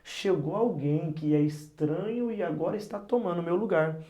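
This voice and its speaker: A man, a pastor and psychologist, talks as a podcast guest in a voice pitched a bit higher than most men's. He tells lively family stories and jumps into the voices of the people in them. His advice comes across as earnest and direct. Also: moderate pace. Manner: animated storyteller who acts out parents and children; earnest, advising. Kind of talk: podcast interview talk.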